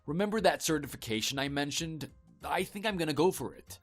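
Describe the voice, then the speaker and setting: A man's voice: on the high side, lively intonation, fairly quick, soft background music. A man playing an evasive husband in a scripted online story drama, talking casually and persuasively to placate his wife. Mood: casual, coaxing.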